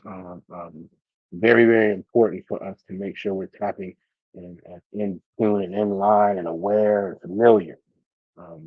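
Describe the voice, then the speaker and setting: A man's voice: sits low, slightly rough, no echo, muffled recording. A man teaching an online class, talking loosely with many fillers and restarts.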